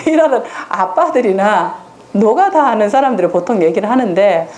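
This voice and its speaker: Woman, parenting lecturer, animated and high-pitched, quizzes her audience, live hall. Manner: asks the audience quizzing questions and answers them herself.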